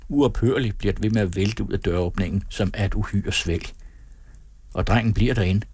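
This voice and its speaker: A man reading a novel aloud as an audiobook narrator, calm and measured in his storytelling. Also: lowish voice, husky, no echo. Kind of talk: scripted narration.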